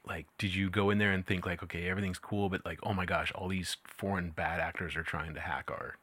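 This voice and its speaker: A man's voice: deep voice, steady tone, fairly quick, pushed and bright, no room sound. A man hosting an interview show, chatting in a friendly way with lots of fillers and restarts. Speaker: podcast host. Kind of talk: casual interview conversation.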